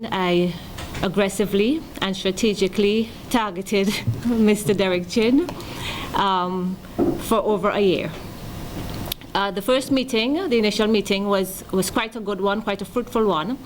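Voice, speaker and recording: A woman's voice: mid-range voice, unhurried, slight background noise. A woman executive speaking at a media conference with some hesitant fillers, heard from a distance. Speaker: executive director of an investment agency.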